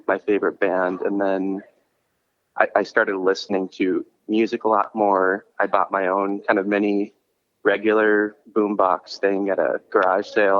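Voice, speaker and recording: Interview guest calling in by phone: a lower-pitched man, muffled line, loose and rambling delivery. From Minnesota, US. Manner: rambling, with frequent restarts and "like" fillers. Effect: heard over a phone line. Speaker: podcast host and concert promoter, guest. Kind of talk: casual chat, relaxed storytelling. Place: coffee shop.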